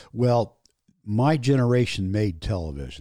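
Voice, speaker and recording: A man with an American accent speaks in a dark, mellow tone on a very clean recording with a silent background. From Indiana. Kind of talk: casual chat.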